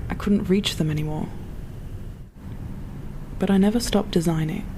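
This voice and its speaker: A woman's voice: on the low side, a little mellow, slight background noise, close to an everyday voice. A woman playing a proud, dreamy perfectionist spaceship designer in a sci-fi audio drama, speaking in a lofty, poetic, self-assured way.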